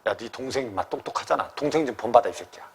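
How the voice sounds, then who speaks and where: A man's voice: mid-range voice, fast talker, voice pushed down. A man voicing a rude, bullying young elder brother who drinks and picks on his sibling. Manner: rough, bullying.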